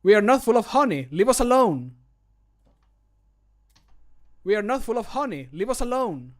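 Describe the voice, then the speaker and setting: A man's voice: high voice, sing-song, normal speed, voice pushed up. A man voicing a scared adventurer pleading in short theatrical lines for a game mod.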